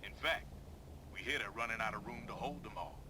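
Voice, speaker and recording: A man's voice: brisk, close to an everyday voice. An actor playing a plain-spoken, confident male hero, talking in a folksy, encouraging way in a game cutscene. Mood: wry, concerned. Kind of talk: game cutscene team briefing. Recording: clear background rumble of ambience.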